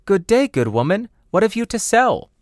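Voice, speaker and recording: Man voicing an innocent high-pitched fairy-tale girl. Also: very animated, normal speed, no echo, clean studio sound. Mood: friendly, trusting.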